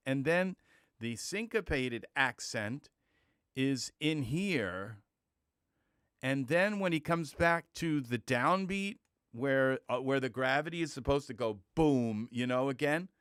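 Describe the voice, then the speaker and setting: Tutorial host, male, unhurried and easygoing, smooth clear voice, dry close mic, guitar track underneath. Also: mid-range voice, no echo. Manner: thinking aloud, loose and chatty, with sound-word beats. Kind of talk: screen-recorded software tutorial.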